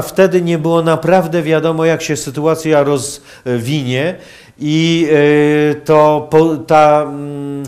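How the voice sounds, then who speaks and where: A man giving a public lecture in a halting, hesitant manner with long pauses. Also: on the high side, darkish tone. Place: university lecture hall, indoors.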